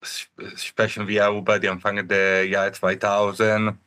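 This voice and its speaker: A man from Italy with an Italian accent, speaking haltingly and searching for words as a podcast guest. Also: on the low side, flat delivery, pushed and bright, clear, resonant tone. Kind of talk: casual chat.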